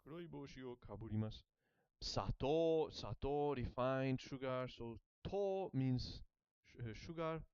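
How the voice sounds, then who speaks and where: A language learner, a German-speaking man, reasons aloud through a study session with a smooth, animated mid-range voice at a slightly slow pace. Hesitant, he repeats words as he works them out, laughing softly and self-consciously. The recording is dry and a bit muffled.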